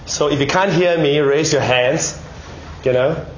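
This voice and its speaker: A man with a Malaysian accent, recovering from a cold, giving a prepared Christian talk in measured short phrases with rhetorical questions. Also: a little high. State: recovering from a bad cold, one ear blocked. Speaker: speaker at a Christian public talk. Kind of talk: prepared sermon-like talk to students. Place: indoor room, speaking to an audience. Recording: echoey room, dull sound, faint noise.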